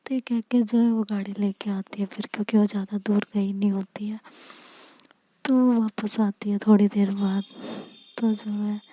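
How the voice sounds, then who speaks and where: A woman's voice: medium pitch, little pitch movement, normal speed, warm tone, poor audio. Woman telling a story in a chatty way. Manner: chatty, run-on narration. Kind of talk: casual spoken storytelling.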